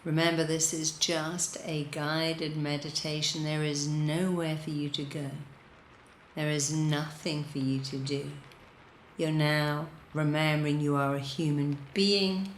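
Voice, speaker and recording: A woman with a low voice leads a guided meditation. She speaks very slowly and soothingly, leaving pauses between repeated, deliberate instructions. The sound is roomy and reverberant. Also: a little hiss or hum. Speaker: guided meditation leader, hypnotherapist.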